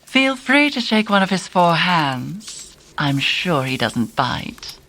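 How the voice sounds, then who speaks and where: An actress playing a poised, haughty telepath, cool, arch and dry, in an audio drama. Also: female voice, fairly low pitch, very animated, slow pace, fairly bright tone, a little hiss or hum, full character voice. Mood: wry. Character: poised, haughty, wry telepathic aesthete woman.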